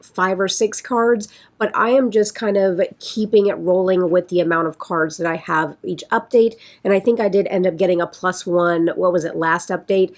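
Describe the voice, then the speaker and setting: Raspy, congested woman chatting casually. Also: medium pitch, a little mellow. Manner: chatty, rambling, with restarts. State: hoarse and congested from a sinus infection. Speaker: beauty vlogger. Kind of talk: casual chat.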